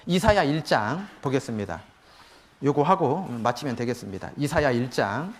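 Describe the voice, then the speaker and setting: A man's voice: medium pitch, expressive, moderate pace. A man teaching a church parenting class, walking through the steps and acting out what a mother might say. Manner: explains steps, acts out a mother's lines. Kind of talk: Bible class lecture.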